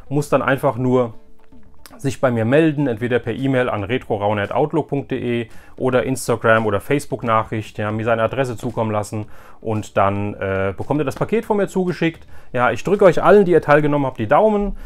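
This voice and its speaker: Chatty man casually presenting a collector's vlog. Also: mid-range voice. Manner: chatty, informal, addresses viewers directly. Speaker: YouTube host, flea market collector. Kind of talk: casual haul vlog chat.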